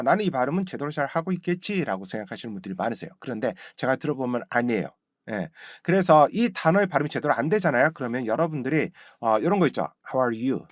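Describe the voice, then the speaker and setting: Male pronunciation teacher, lively up-and-down delivery, dry close recording, drills words repeatedly. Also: mid-range voice, no echo. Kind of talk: pronunciation lesson.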